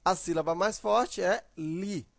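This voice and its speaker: A man's voice: high voice, takes it slowly, gravelly, dry recording. A man, teaching a recorded grammar lesson and patiently stretching out example words to show how they sound. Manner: explains patiently, drawls out example words to demonstrate; tag questions sprinkled through.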